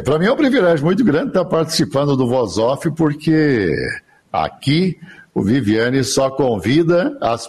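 An older man from the interior of São Paulo, a radio announcer telling his life story in a relaxed, chatty interview over a remote link. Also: medium pitch, husky. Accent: Brazilian Portuguese, São Paulo interior. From interior of São Paulo state, Brazil. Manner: chatty, laughs easily, rambling anecdotes. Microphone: remote online recording.

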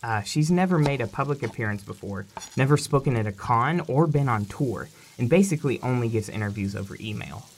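Starstruck young fan: very deep for a woman, earnest, excitable, kitchen sizzle behind. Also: fairly quick, hardly any pauses, a little hiss or hum. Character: eager, starstruck young bookish small-town fan. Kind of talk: naturalistic audio drama acting.

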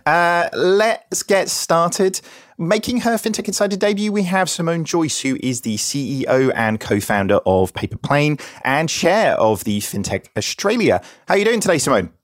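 A man's voice: a little high, animated, normal speed, dry recording, clean studio sound. A man with an East Anglian English accent, presenting as an informal, chatty podcast host and introducing guests. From England.

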